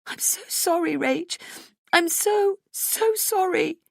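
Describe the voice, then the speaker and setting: A woman's voice: very high voice, takes it slowly, vocal fry, no room sound, studio quality, pitched above the performer's own voice, exaggerated voice. A woman voicing a distraught, guilt-stricken female friend in an audiobook, wailing and tearful. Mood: sobbing, apologetic.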